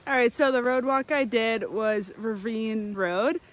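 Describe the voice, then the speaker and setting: A woman's voice: a little high, fairly even intonation, unhurried, music in the background. A woman hiking vlogger talking casually to camera while trudging along a snowy winter trail outdoors.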